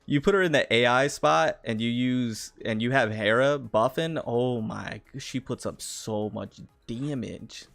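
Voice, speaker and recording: Gravelly-voiced man talking games. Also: medium pitch, a little slow, hardly any pauses, a bit bright. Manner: emphatic, says bro, laughs easily. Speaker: streamer guest. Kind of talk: casual gaming livestream chat.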